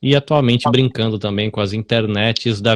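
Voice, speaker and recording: On a very clean recording with a silent background and a dry, close sound with no echo, a man of medium pitch speaks at a moderate pace in a plain, everyday voice. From Brazil, Salvador (Bahia). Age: 40s. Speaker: podcaster and communicator in immigrant community. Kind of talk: interview.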